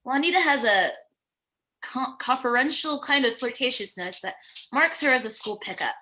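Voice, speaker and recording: A woman's voice: high-pitched, expressive, normal speed, bright, forceful tone. A woman narrating screenplay stage directions in a plain descriptive reading, with the occasional stumble, at a virtual table read.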